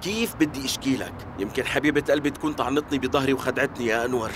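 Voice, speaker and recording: A man's voice: medium pitch, expressive, racing, background noise, close to an everyday voice. A man with a Syrian accent voicing a suspicious, lovesick young man in a dubbed TV drama, talking earnestly and with agitation. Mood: troubled. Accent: Syrian Arabic. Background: music score.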